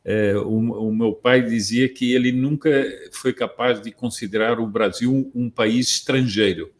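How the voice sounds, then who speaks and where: A man from Portugal who hosts the discussion, speaking in a measured, reflective way. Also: medium pitch, fairly even intonation. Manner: measured, reflective, with occasional soft laughs. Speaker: host. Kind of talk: conversational discussion.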